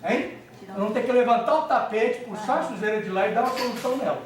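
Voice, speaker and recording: Animated male lecturer quizzing audience. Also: very high voice, fast. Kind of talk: religious lecture. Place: lecture hall with live audience. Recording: echoey hall, speaker far from mic.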